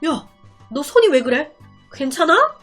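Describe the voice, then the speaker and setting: A woman's voice: high-pitched, very animated, unhurried, fairly bright tone, faint music behind, heavily acted. A woman voicing a worried older brother questioning his injured sibling. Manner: concerned, insistent questioning.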